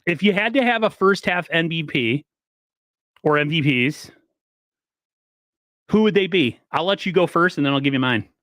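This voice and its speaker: A man's voice: on the high side, expressive, moderate pace, long pauses, fairly bright tone, no echo. Man, podcast host, casual, asks questions, short agreements, dry recording. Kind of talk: casual sports talk.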